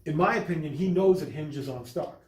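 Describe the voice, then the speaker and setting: A man talking casually about a film as a podcast co-host, emphatic and halting with restarts. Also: on the high side. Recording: echoey, roomy recording.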